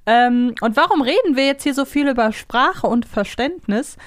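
A woman's voice: high-pitched, lively intonation, moderate pace, no echo, clean studio sound. A woman with a slight northern German accent, chatting as a podcast host and articulating with care. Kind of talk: casual co-hosted chat.

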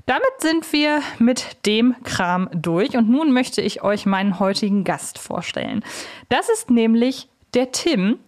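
A woman hosting a podcast in an informal, talkative way, addressing listeners and guest directly. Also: on the high side. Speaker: podcast host. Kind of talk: chatty podcast introduction and interview.

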